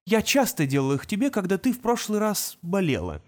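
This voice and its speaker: A woman reading the part of a cold, brilliant teenage boy in an audiobook, speaking in a calm, measured way. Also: medium pitch, pitched above the performer's own voice. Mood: tense.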